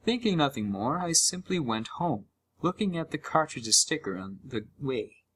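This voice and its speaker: A man's voice: fairly high pitch, big pitch swings, moderate pace, fairly bright tone, breathy edge, heavily acted. A man playing a sarcastic, curious young gamer, narrating a first-person horror story in a wry, conversational way. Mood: nostalgic, mildly eager. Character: sarcastic, curious young male gamer recounting a creepy found game.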